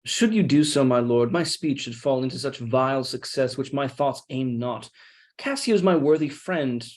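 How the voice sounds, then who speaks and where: A man reading a scheming, deferential soldier in Shakespeare, with measured, insinuating, mock-humble delivery. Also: medium pitch, a little mellow, natural voice. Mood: falsely apologetic. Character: scheming deferential soldier feeding his lord's suspicion. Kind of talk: Shakespeare read-along.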